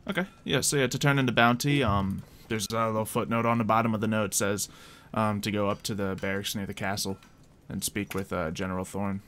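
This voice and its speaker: A man's voice: on the low side, fairly even intonation, a little fast, a bit bright. A man acting as game master, explaining the scene casually and loosely with some hesitation. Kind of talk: casual tabletop game narration.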